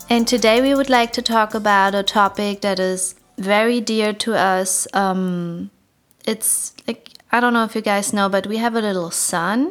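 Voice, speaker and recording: A woman with a German accent speaks at a fairly slow pace, her pitch fairly high and her intonation fairly even. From Germany. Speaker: podcast host. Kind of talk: casual chat.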